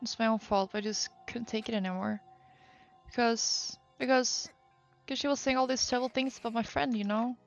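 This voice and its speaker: A woman's voice: a little high, steady tone, brisk, vocal fry, lo-fi sound, soft background music. A woman voicing a hot-tempered athletic teenage girl in a game, talking in an upset rush.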